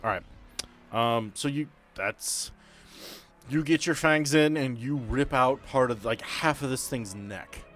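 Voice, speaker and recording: A man with a mid-pitched voice runs a tabletop roleplaying game. He improvises the narration and walks players through each scene in loose, everyday language, with music playing under his voice. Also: takes it slowly, a bit bright. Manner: casual, swearing, talking players through the scene. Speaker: game master.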